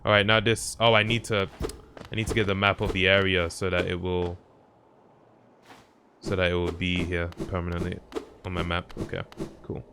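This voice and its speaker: A man's voice: deep voice, monotone, moderate pace, pauses often, noisy background. A man streaming a game with casual commentary, thinking aloud in mild slangy exclamations. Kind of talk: casual let's play commentary.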